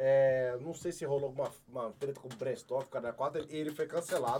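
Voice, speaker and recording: A man talks fairly quickly at a fairly high pitch, his intonation fairly even. His tone is dark and mellow, somewhat breathy. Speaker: podcast host. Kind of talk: casual chat.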